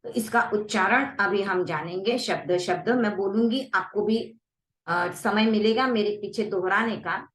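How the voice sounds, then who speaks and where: A woman teaching a prayer recitation, explaining it and then saying it slowly word by word so listeners can repeat. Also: medium pitch, fairly bright tone, echoey room. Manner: slow, deliberate word-by-word recitation with pauses for repeating.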